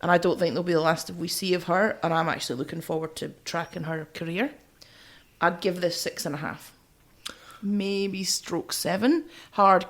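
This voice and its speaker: A woman co-hosting a music review podcast in casual chat, thinking aloud as she weighs her opinions. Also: lowish voice. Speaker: podcast co-host reviewing albums.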